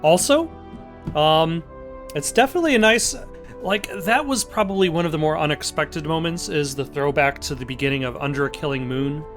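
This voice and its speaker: Casting: male gameplay commentator, lighter raised pitch, unscripted and halting, chatting through his thoughts over music. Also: a bit bright. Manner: halting, thinking aloud. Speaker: let's play host. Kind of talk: casual, improvised gameplay commentary.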